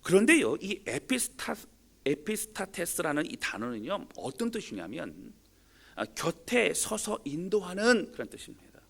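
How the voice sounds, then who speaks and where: Male pastor, gravelly and animated, swings loud and soft while preaching. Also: moderate pace. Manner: preaching with dramatic swings in pitch and volume; leads congregation in reading scripture aloud. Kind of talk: sermon.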